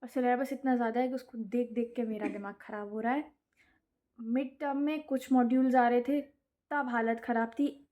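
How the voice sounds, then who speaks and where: A woman's voice: high-pitched, mellow. A young adult woman vlogger chatting casually about her day, chatty and self-mocking, mixing in English words. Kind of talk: casual vlog chat.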